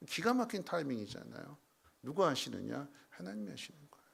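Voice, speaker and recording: Male pastor, bright, pushed tone, fairly high pitch, dramatic sermon delivery in a church. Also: sing-song, a little fast, gravelly, husky. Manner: dramatic preaching with sudden loud emphatic peaks; asks the congregation rhetorical questions. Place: church sanctuary.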